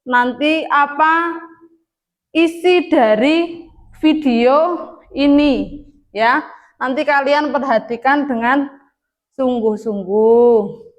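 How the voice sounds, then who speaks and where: Slow-speaking high-voiced woman teacher. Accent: Indonesian. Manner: slow, coaxing questions to pupils. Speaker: primary school teacher. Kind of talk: classroom teaching. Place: classroom.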